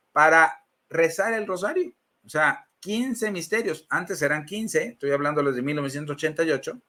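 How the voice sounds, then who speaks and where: A middle-aged Mexican man giving a personal faith testimony, telling it as an animated story and acting out the quoted dialogue. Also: fairly high pitch.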